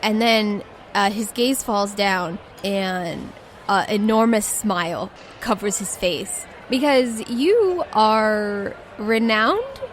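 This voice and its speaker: A woman's voice: mid-range voice, expressive, a little hiss or hum. Casual woman game master, improvising. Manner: casual, halting, descriptive. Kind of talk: improvised narration of a tabletop game. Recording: music under the voice.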